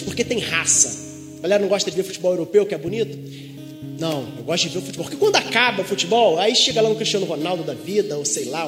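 A man with a Brazilian accent preaching a sermon in a lively, joking way, digressing with asides. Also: sits high. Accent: Brazilian Portuguese. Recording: reverberant hall with music behind.

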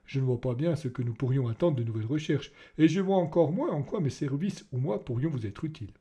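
Un homme qui joue un jeune fonctionnaire gêné, hésitant, voix sombre et voilée. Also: male voice, medium pitch, expressive, brisk, dark tone, slightly rough, dull audio, voice pushed up. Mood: nervous. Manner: stammering, nervous. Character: awkward young bald ministry official, stammering.

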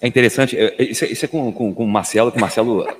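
A man's voice: medium pitch, racing, long reverb tail, slight background noise. A Brazilian man in a casual Bible study discussion, earnest and repeating words as he thinks aloud. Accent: Brazilian Portuguese.

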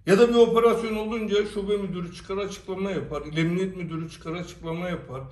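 High-pitched man speaking to his followers in an emphatic storytelling monologue full of rhetorical questions. He is recorded in an echoey room. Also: steady tone, quick pace, a little mellow, recorded from a distance. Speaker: commentator addressing followers. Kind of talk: direct-to-camera monologue. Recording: echoey room, away from the mic.

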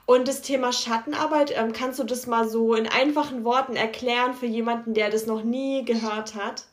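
A woman's voice: a little high, fairly even intonation, moderate pace. A woman hosting a podcast, introducing and questioning a guest in an attentive, friendly manner. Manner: friendly, attentive, frequent backchannels. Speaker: podcast host. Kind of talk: podcast interview. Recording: roomy, echoey sound.

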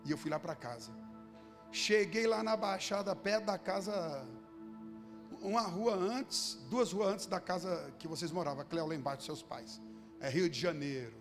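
A man's voice: high voice, normal speed. A man, a pastor preaching a sermon and telling a story with passion, acting out the people he quotes. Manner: impassioned, acts out quoted voices. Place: church hall. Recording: long hall reverb with faint music.

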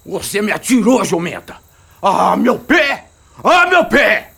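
A man's voice: sits high, sing-song, takes it slowly, vocal fry, pushed and bright, breathy edge, heavily acted. An actor playing a cranky, swaggering, foul-mouthed gunman in a radio drama, with a rural northern Minas Gerais accent. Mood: pained, furious. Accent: rural northern Minas Gerais Brazilian. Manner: grumbling, colloquial, cursing.

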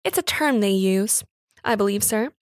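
A woman's voice: medium pitch, animated, moderate pace, dry recording, studio quality, lightly acted. A woman voicing a pert, defiant young housemaid with uneducated servant's speech in a story reading.

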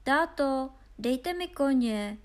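A woman reading aloud and voicing a foolish, cheerful young peasant lad who boasts loudly. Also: on the high side, expressive, natural voice. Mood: boisterous. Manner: boastful, loud and carefree.

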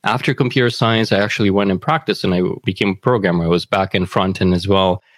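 A man with a Romanian accent, speaking in a fairly low voice as a guest. He tells his story in a relaxed, friendly way. The sound is dry and close. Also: fast talker, no room sound. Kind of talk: casual interview.

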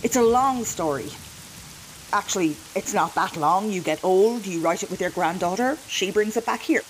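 A woman's voice: medium pitch, moderate pace, a little hiss or hum, natural voice, low-quality recording. A woman playing a cheeky, evasive time traveller in an audio comedy, flippant, colloquial and breezily blunt. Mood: brisk, knowing. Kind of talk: comedy audio drama acting.

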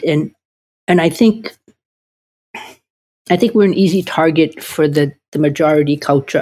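Woman, Boston accent, pastor, earnest, frank, slightly husky voice. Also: lowish voice, dark tone. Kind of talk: conversation on a podcast.

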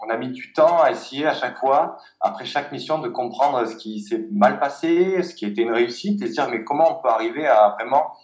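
A man with a Provençal accent, a guest designer talking casually in an interview, halting with many fillers and restarts. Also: mid-range voice. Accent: Provençal French. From Aix-Marseille area, France. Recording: echoey room.

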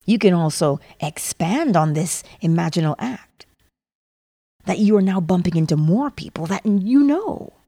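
A woman softly narrating a guided meditation in a soothing manner, with gravelly fry and breathy phrase endings that trail toward a whisper. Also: fairly low pitch, animated, a little slow. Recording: long reverb on the voice.

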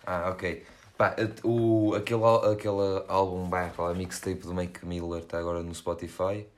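A man's voice: low voice, level tone, unhurried. A young man with a European Portuguese accent, co-hosting a casual podcast and telling rambling stories full of slang and fillers. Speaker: podcast co-host. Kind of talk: casual chat.

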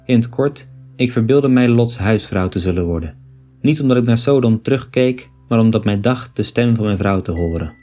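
Male narrator with a dark, warm voice for a measured reading of an old text, soft music underneath. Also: mid-range voice. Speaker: reader of an old book. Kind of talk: scripted narration of an 18th-century text.

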